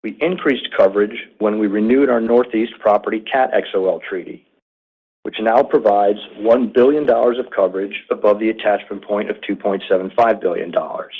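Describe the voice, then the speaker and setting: A man giving a formal, scripted financial presentation as a company executive on an earnings call, with measured delivery of figures. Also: on the low side, slightly rough. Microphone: conference call line. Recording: narrow tinny phone-line sound.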